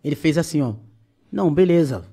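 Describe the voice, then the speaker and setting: A woman's voice: sits low, fairly quick. A woman, a podcast guest and singer, telling a story casually and acting out the dialogue with slang. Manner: animated storyteller who acts out quoted dialogue, slangy.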